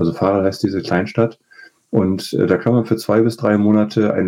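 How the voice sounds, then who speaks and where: An unremarkable speaking voice comes from a man pitched fairly low. He keeps a moderate pace with ordinary pitch variation. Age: 50s. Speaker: author. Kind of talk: interview.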